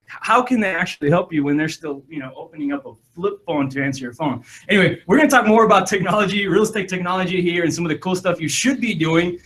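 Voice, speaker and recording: A man's voice: sits high, lively intonation, quick pace, a bit bright. A man hosting a podcast, telling a rambling funny story with lots of repeated words and laughter. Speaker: podcast host. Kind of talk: casual storytelling.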